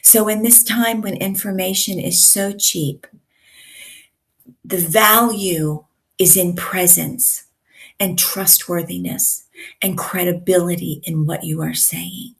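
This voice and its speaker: A woman teaching communication skills, her voice a little raspy from a night of yelling at a concert, speaking in a deliberate, emphatic way. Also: lowish voice, steady tone. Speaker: communication coach. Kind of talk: teaching to camera.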